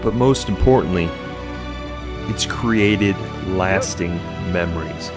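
A middle-aged man with a fairly low voice reads a scripted product review in an upbeat, explanatory way. Music plays clearly underneath his voice-over. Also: slow pace. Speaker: e-bike reviewer.

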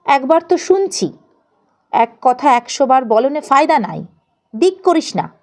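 A woman's voice: sits high, big pitch swings, measured pace, voice pushed up, heavily acted. A woman voicing a poor, weary village father in an audio story, curt and colloquial, with a rural Bangladeshi accent. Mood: irritated scolding. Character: poor idle village father, weary, gruff but fond.

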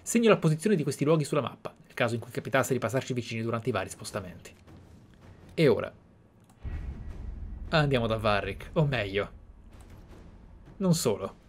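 A man's voice: mid-range voice, expressive, a little fast, pauses often, slight background noise. A man with an Italian accent commentating on a video game, with theatrical delivery and reflective asides. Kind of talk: game commentary with read-aloud in-game letters.

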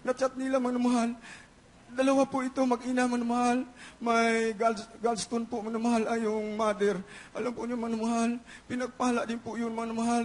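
A middle-aged man giving a church testimony with fervent, repeated hallelujahs and frequent shouting. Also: extremely high pitch. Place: large church hall.

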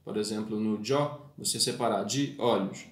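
A man with a lowish voice, speaking at a normal pace in an echoey room, gives a poetry lesson. He explains verse meter didactically and addresses his listeners formally, in a spoken lesson that includes sung verses.

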